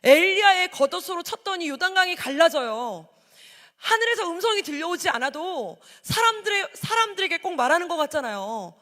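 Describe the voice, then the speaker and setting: A woman evangelist preaching a sermon, acting out quoted voices and swinging from shouting to hushed tones. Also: extremely high pitch, sing-song, brisk. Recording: hall with long reverb.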